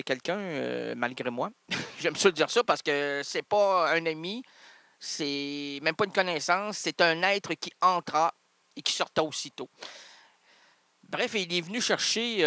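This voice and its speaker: Bright rambling Québécois comic. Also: male voice, a little high, no room sound. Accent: Québécois French. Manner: rambling, jumps between silly voices and asides. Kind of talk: improvised comic monologue.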